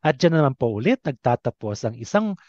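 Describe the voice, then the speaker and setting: Man, Filipino accent, interview host, mid pitch, conversational, dry lo-fi sound. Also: sing-song, a little fast, darkish tone, no echo. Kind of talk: conversational interview hosting, mixing Tagalog and English.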